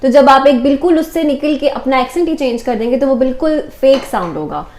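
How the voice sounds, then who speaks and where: A woman with a Pakistani accent hosting an interview, speaking in a brisk, affirming manner. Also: high-pitched, animated, a little mellow. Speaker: host. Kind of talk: interview conversation. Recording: echoey room.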